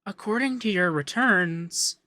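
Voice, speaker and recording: Man acting a bright-voiced, coy, effeminate young accountant. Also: high-pitched, unhurried, no room sound. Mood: polite, businesslike. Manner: coy, teasing, lilting, hesitant in places. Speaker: ASMR voice actor. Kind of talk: ASMR roleplay.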